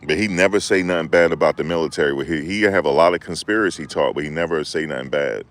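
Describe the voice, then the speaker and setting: Talking fast in an extremely low-pitched voice, a livestream host keeps up a casual chat with his live viewers. He jokes, rambles, and responds to what people say in chat.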